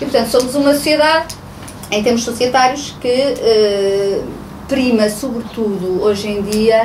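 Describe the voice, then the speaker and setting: A woman speaks with a fairly high pitch and ordinary pitch variation. Audible room echo and noticeable background noise surround her voice. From Portugal, Coimbra. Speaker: lawyer. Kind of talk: interview. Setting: office. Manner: fast; energetic.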